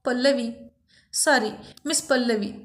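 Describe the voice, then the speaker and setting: A woman's voice: a little high, takes it slowly, roomy sound. A woman voicing a nervous, flustered young man who stammers and second-guesses himself in a storybook. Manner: stammering, self-doubting.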